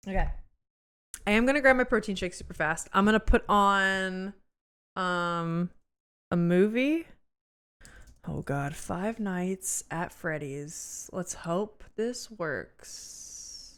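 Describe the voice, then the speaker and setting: In a very clean recording with a silent background, a woman with a medium pitch speaks at a very slow pace, with lively intonation, big swings in loudness and long, frequent pauses. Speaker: streamer. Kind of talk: casual chat. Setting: live stream. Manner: crisp enunciation.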